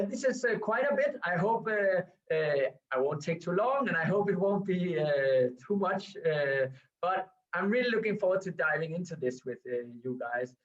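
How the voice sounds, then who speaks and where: A man with a Danish accent, pitched a little higher than most men, talks through a research presentation in English. He pauses often on fillers and restarts his phrases. He sounds set back from the mic, and the video-call audio is dull and muffled. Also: distant mic. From Denmark. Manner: hesitant, with frequent um and uh fillers and restarts. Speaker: researcher giving a guest lecture. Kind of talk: academic presentation. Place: at home.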